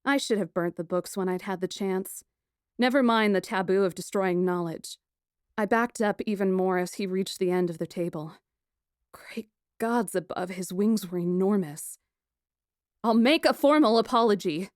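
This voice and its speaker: Expressive woman narrator, dry sound. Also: medium pitch, normal speed, no room sound. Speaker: audiobook narrator. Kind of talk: expressive first-person scripted narration.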